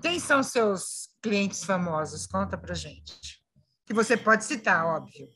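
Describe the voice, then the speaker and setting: A woman's voice: mid-range voice, lively intonation, a little slow, pushed and bright, slight background noise. A Brazilian woman hosting an interview, asking questions in a conversational style. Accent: Brazilian Portuguese. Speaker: interview host.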